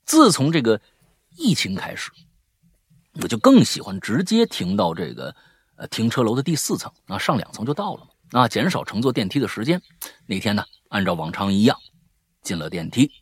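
A man with a rough, husky voice hosting and telling listener stories in a chatty way, prone to grumbling, scolding asides. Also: fairly low pitch, wildly swooping pitch, a little fast, no echo, clean studio sound. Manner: grumbling, scolding, exasperated rants. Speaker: host reading listener stories. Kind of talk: animated storytelling with chatty asides.

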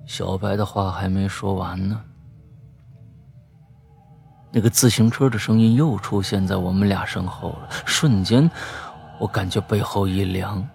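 A man narrating a spooky story, lively, breaking off for offhand asides. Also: on the low side, gravelly.

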